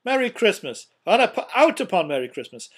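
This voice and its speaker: A man's voice: fairly high pitch, big pitch swings, moderate pace, pushed and bright, exaggerated voice. Man voicing a barking, grumpy old miser. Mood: indignant. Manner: growling, barking, curt. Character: grumpy miserly old uncle, scornful and stern. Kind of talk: storybook character reading.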